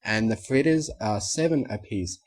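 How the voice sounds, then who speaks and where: A man's voice: lowish voice, expressive, moderate pace, darkish tone. A man voicing a farm mare who hides her country ways behind stiff, put-on politeness, in a storybook reading. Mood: polite. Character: down-to-earth farm mare faking city manners.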